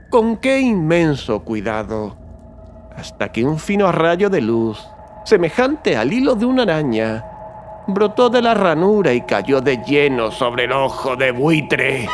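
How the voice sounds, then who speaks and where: An actor playing a mad, gloating murderer who confesses in a theatrical horror audiobook, swinging between hushed and agitated delivery. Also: male voice, on the high side, a little hiss or hum, exaggerated voice. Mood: tense, mounting fury. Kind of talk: dramatic horror audiobook narration.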